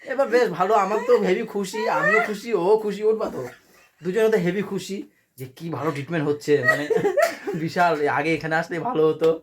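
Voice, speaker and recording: A woman's voice: on the low side, quick pace. A woman vlogger telling a funny story at home, casually and with lots of laughter. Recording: noisy home recording.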